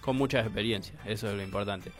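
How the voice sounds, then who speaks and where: A man's voice: on the low side, fast talker. Argentine guy chatting on a radio show, rambly, restarts a lot, faint music under it. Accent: Argentine Spanish. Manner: relaxed, rambling, many restarts. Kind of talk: casual radio chat.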